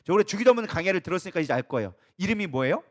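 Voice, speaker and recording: A man's voice: sits high, big pitch swings, rapid-fire. A male co-lead pastor preaching a midweek sermon, emphatic and full of rhetorical questions that he answers himself. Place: church.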